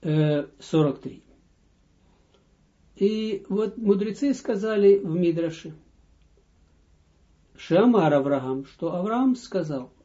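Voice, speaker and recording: A man teaches at an unhurried, deliberate pace, reading a line aloud and then unpacking it word by word. His voice is very dark and mellow, pitched a little higher than most men's, and it comes through a dull, muffled lo-fi recording. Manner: reads lines aloud, then explains them step by step. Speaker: rabbi teaching a text. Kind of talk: slow spoken Torah lesson. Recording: dull lo-fi audio lesson recording.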